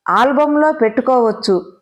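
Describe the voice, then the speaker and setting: A playful young college student with a teasing, breezy way of talking, read by a woman narrator. The voice sits a little high. It is a lightly sketched storybook part. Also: animated, moderate pace, lightly acted.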